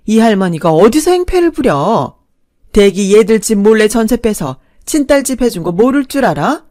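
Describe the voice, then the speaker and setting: A woman's voice: fairly high pitch, a little mellow, dry recording, clean studio sound, voice pushed up. A woman voicing a blunt middle-aged woman who sharply scolds someone in a told story.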